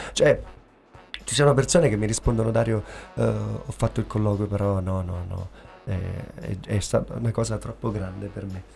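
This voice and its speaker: A man talks at a moderate pace, leaving long, frequent pauses. Music plays in the background. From Lazio, Italy (Cassino). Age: 30s. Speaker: radio guest, worker. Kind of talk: casual radio interview. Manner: animated, emphatic.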